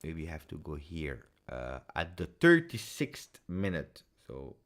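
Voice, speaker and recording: A man's voice: rumbling low, a little slow. A man whose first language is French hosts a casual football recap, chatting passionately and with many fillers. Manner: animated, passionate, frequent fillers. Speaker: football video host.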